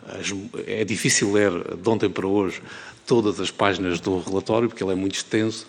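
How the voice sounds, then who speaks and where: A middle-aged man from the Algarve with a European Portuguese accent, giving a formal address at a parliamentary hearing, measured and full of hesitations. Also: low voice, fairly even intonation, long reverb tail. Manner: measured, with many filler "eh"s and restarts. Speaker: member of parliament chairing a hearing. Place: parliament committee room.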